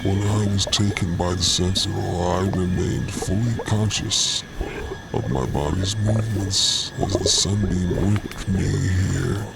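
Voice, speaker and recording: Frail starved alien, very slow, deep gravelly wheeze, weary, loud music underneath. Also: male voice, fairly even intonation, heavily acted, rough recording. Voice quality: hoarse, wheezy. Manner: slow, halting, measured. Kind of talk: audio drama character acting.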